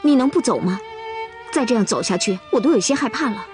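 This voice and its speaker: A woman's voice: on the high side, animated, fast, over music, natural voice. An actress playing a headstrong young Russian woman from a costume drama, insistent and repeating her pleas over and over. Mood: earnest. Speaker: Russian woman in love with a herder. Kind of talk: television costume drama dialogue.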